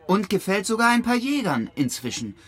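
An actor playing an aggrieved, opinionated environmental activist in a German audio drama, with a sarcastic manner. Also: male voice, high voice, very animated, normal speed, breathy edge, full character voice. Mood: bitter, sarcastic. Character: sardonic, aggrieved male environmental activist, bitter hamster champion.

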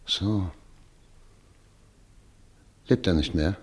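Radio play role: courteous, guarded medical professor with a low, businesslike delivery. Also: male voice, drawn-out words, a little mellow, slightly rough, heavily acted. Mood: probing. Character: composed, brisk male doctor, courteous and guarded professor. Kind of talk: German radio play acting.

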